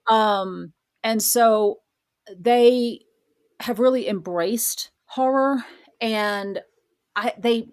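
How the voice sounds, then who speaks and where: A woman's voice: a little high, extremely slow, pauses often. A woman speaking conversationally as a guest author in a podcast interview.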